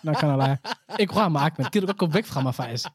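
A man's voice: on the high side, lively intonation, breathy edge, no echo. Chatty man acting out his thoughts. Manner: chatty storyteller, acts out his own inner talk, mixes in English. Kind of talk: casual chat.

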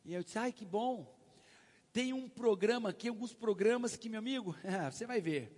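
A man with a very high voice gives a lively sales seminar, acting out both sides of conversations and pushing the audience to call out answers. His voice rings with long reverb from a large hall. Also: normal speed. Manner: animated storytelling, acts out dialogue, prompts audience. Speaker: sales trainer. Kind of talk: live sales seminar talk.

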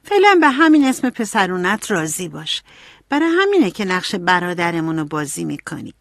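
A woman voicing a gentle, sweet young girl who makes peace between her sisters in a soft, kindly way. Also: fairly low pitch, sing-song, dry recording, clean studio sound.

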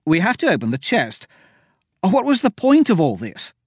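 A man voicing a sharp-tongued young woman treasure hunter who talks in a bossy, dismissive way. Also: high voice, wildly swooping pitch, moderate pace, husky, no echo, clean studio sound, voice pushed up, full character voice. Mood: scornful.

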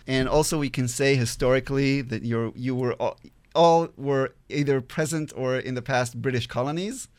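A man hosting a panel podcast, talking in an upbeat, halting way with fillers and restarts. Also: medium pitch, fairly even intonation, a little mellow, clean tone. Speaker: podcast host.

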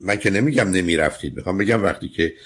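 Deep husky man giving firm advice. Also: expressive, fairly bright tone. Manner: firm, lecturing, interrupts with questions. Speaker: radio call-in advice host. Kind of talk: call-in advice counseling.

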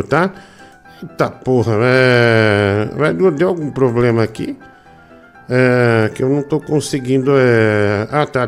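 A man from Brazil, hosting a casual live stream, slangy and teasing at an unhurried pace. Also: medium pitch. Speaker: livestream show host.

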